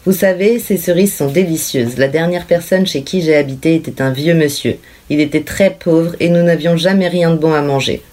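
Woman reading eerie polite little girl, soft quiet voice, low pitch, calm storybook manner. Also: moderate pace, few pauses, natural voice. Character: eerie, composed little girl who moves in uninvited. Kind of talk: audiobook character reading.

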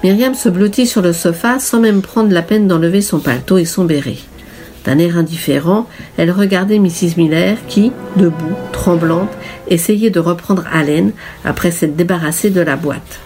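A woman reads a story aloud in a measured, even way. Her voice sits fairly low. Faint music plays underneath. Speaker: audiobook narrator. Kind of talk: storybook narration.

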